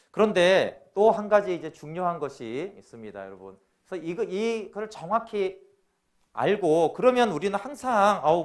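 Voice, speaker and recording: A male pastor giving a sermon, asking the congregation questions and acting out the voices he quotes. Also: a little high.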